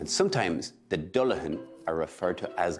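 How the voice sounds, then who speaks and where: A man's voice with music in the background. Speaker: primary school teacher. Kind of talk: educational storytelling to children. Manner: animated, engaging.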